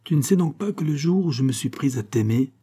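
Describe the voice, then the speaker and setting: A man's voice: mid-range voice, animated, brisk, dark tone, breathy edge, voice pushed up. A man voicing a fierce, jealous young Gypsy woman who threatens her lover with vehemence. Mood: intense.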